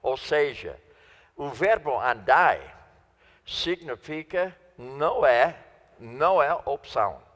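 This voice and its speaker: A man's voice: medium pitch, very animated, slow, a bit bright. A man preaching a sermon in Portuguese, which is not his first language, stressing and repeating key phrases. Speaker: guest preacher. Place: church sanctuary. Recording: long church reverb.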